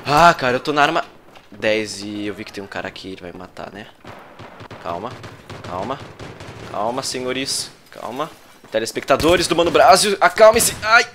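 A man's voice: medium pitch, moderate pace, slight background noise. A young Brazilian man giving nervous live commentary over his own gameplay, swearing at the game and bursting out in yelps when things happen. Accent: Brazilian Portuguese. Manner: excitable, swears at the game, frequent outbursts. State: nervous and sweating. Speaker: gaming youtuber.

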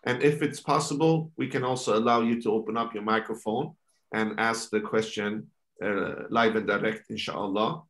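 A man's voice: fairly low pitch, steady tone, moderate pace, fairly bright tone. Man moderating from an echoey room. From Sweden. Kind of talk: introducing an online panel discussion. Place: home kitchen indoors. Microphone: computer mic on a video call. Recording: roomy, echoing video-call sound.

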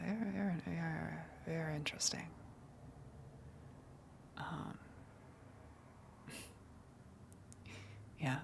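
A woman voicing a friendly eldritch monster in an ASMR roleplay, in a breathy whisper with a halting, coy, gently teasing manner. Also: deep voice, background noise, heavily acted. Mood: teasing, dominant.

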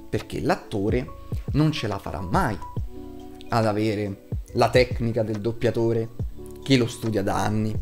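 Blunt young man reviewing, music behind. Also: mid-range voice. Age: 20s. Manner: blunt, foul-mouthed, emphatic. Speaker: video reviewer. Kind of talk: casual opinionated review to camera. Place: small room at home, indoors.

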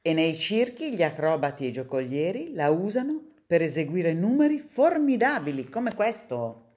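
A woman's voice: fairly low pitch, big pitch swings, normal speed, warm tone. A woman voicing a cheerful, precise young dog. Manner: cheerful, explanatory.

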